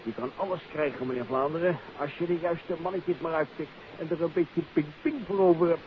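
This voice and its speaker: A man's voice: fairly high pitch, brisk, lightly acted. A man playing a jovial, chatty former army captain and small trader in a genial, colloquial 1950s Dutch radio drama style. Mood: breezy, confiding. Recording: noisy, tinny 1950s radio recording.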